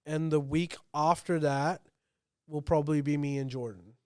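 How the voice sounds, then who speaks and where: A man from Pakistan, a native Urdu speaker, co-hosting a casual podcast. His voice is fairly high for a man and smooth, and it sits close and dry on the mic. He explains at length in loose, informal runs. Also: fairly even intonation, normal speed, no echo. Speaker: podcast co-host.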